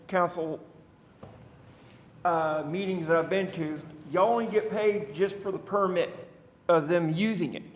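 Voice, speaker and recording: A man speaks at a council podium microphone, his voice high and his delivery slow. He talks in a folksy, rambling way full of restarts. The council chamber lends a long reverb. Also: a little hiss or hum. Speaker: citizen speaker at council meeting. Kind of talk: public comment.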